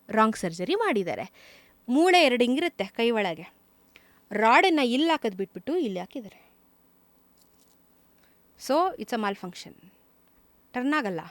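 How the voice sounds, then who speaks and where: Animated woman, higher voice, candid storyteller. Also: no room sound. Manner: candid, animated recounting with vivid detail. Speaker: moto vlogger, interview guest. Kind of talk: casual conversational storytelling.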